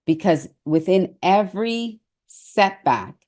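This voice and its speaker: A woman's voice: mid-range voice, lively intonation, slow pace, a little mellow. A middle-aged woman giving an earnest, conversational motivational talk as a success coach, with hesitant restarts.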